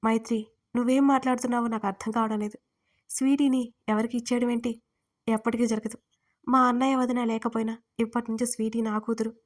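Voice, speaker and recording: A woman voicing an anxious, gentle man in his thirties in an audio story, speaking in a worried, pleading way that turns firm. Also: fairly high pitch, flat delivery, fast talker, lightly acted. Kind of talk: audiobook character reading.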